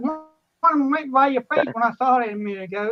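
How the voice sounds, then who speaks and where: A man's raised, projected voice at an extremely high pitch, bright and sharp in tone, fairly quick, with a dry, close sound and no echo. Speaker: livestream guest. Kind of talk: casual chat. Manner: fast.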